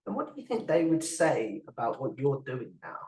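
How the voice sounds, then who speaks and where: A young man in his twenties asks curious interview questions, his lively voice swinging up and down in pitch. He sits a little way back from the mic, so his voice picks up the echo of the room around him. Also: moderate pace. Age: 20s. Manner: curious, supportive listener. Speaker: podcast host. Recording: echoey room, mic at a distance.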